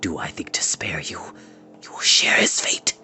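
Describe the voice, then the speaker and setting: A man voicing a cold, cruel, arrogant wizard in a storybook, with a hissing, whispery voice and a slow, menacing, contemptuous manner. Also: bright, forceful tone, soft background music. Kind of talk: storybook character voice.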